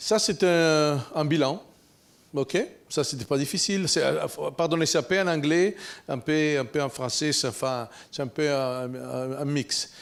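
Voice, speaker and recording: Speaking very slowly in an Italian accent, a man uses a fairly high pitch with ordinary pitch variation on a very clean recording with a silent background. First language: Italian (speaking French). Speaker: professor. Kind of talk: conference talk. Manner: halting, many repetitions.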